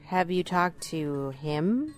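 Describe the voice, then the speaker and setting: Lowish-voiced, gentle friend. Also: female voice, animated, takes it slowly, soft background music. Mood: concerned. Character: gentle, concerned blind woman, loyal friend. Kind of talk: audio drama acting.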